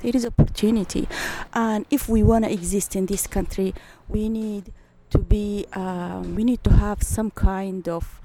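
A woman's voice: mid-range voice, steady tone, unhurried, noisy background. A woman of around sixty, speaking as an interview guest and telling her story in an earnest, thoughtful way. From Eritrea. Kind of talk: casual interview.

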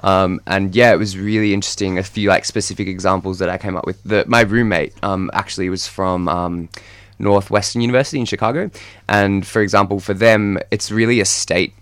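A man's voice: low voice, fairly even intonation, brisk, hardly any pauses, fairly bright tone, clean tone, no echo. A young Australian man giving a casual radio interview, explaining things in a rambling, tentative way. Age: young adult. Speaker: interview guest, student group representative. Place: radio studio.

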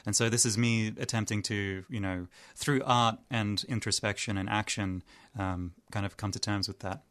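A man from Armenia talks about his music on a community radio show. His low, smooth voice moves slowly and hesitantly, full of ums and restarts. He sounds thoughtful, as if feeling his way through each idea. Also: fairly even intonation, a bit bright. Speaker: musician guest. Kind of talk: casual radio interview.

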